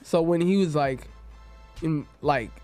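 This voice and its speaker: A man's voice: on the high side, measured pace, a little mellow, soft background music. A young man chatting as a guest, retelling events by quoting himself and laughing often. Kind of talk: casual interview chat.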